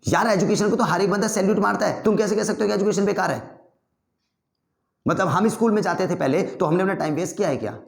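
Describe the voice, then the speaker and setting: A stern older man hammers home why schooling matters, as a male teacher acts him out. He talks fast and heated, pitched a little high, with the room's echo around him. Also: darkish tone, natural voice. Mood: scolding, insistent. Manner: angry, rapid arguing. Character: older man lecturing on education, stern and insistent.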